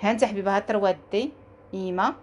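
A woman with a Moroccan accent giving a live sales pitch from her jewelry shop, coaxing viewers and repeating herself as she talks to her staff. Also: quick pace, highs cut off, slight background noise. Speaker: jewelry seller.

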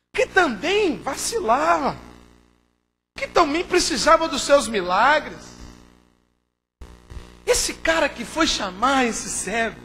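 A hoarse male pastor preaching a sermon, moving from quiet, intimate talk to fervent shouting. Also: extremely high pitch, slight background noise.

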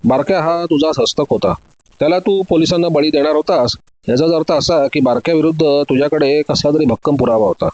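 A man voicing a calm, confident male detective who lays out his case methodically in an audio story. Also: a little high, fairly quick, no echo, lo-fi sound, natural voice. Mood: accusing.

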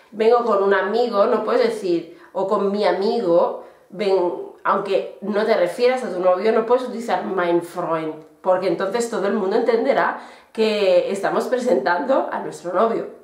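Lady teaching german words, takes her time, echoey room. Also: medium pitch. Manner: slow, explanatory, with fillers. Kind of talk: casual language lesson.

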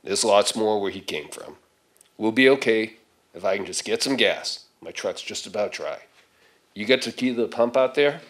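A middle-aged man on stage playing a gruff, take-charge survivor of a zombie attack in a radio play, with folksy phrasing. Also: fairly low pitch, moderate pace, natural voice. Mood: urgent. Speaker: stage actor reading a script. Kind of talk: live radio-play acting. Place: theater stage. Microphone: stand microphone. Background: loud music.

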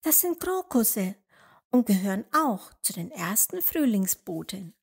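A woman voicing a gentle, sweet little female sheep in a children's storybook, full of wonder. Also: medium pitch, big pitch swings, measured pace, husky, exaggerated voice. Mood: admiring.

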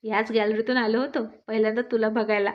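A woman's voice: on the high side, little pitch movement, quick pace, lightly acted. A woman voicing a playful, teasing young husband in a storybook reading, with a coaxing manner. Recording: dull lo-fi recording.

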